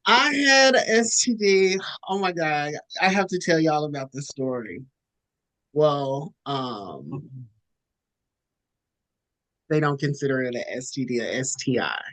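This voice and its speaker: A woman co-hosting a podcast, telling a story casually and acting out quoted lines in a high squeaky voice. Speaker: podcast co-host.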